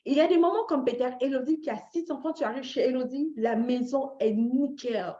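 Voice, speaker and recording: A woman from Canada with a warm, high-pitched voice talks briskly as she teaches personal finance informally and live, keeping a motivational tone. She engages listeners with direct questions, checks in often, repeats phrases for emphasis, and adds short English tags. Her recording is lo-fi and slightly dull, with a roomy echo.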